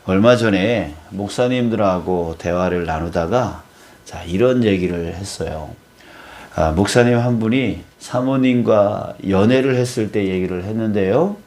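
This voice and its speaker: A male pastor from Gangwon Province, Korea, delivers a sermon with a fairly low voice. He tells it like a story and keeps opening his sentences with "자,". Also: unhurried, a little mellow. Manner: storytelling, often starts with "자,".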